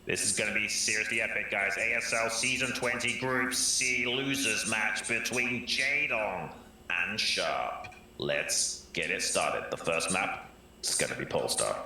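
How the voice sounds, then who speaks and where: A man's voice: fairly low pitch, a little slow, bright, forceful tone, a little hiss or hum. A man giving analytical commentary on a match, explaining the strategy in detail. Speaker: esports commentator. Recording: very roomy broadcast audio.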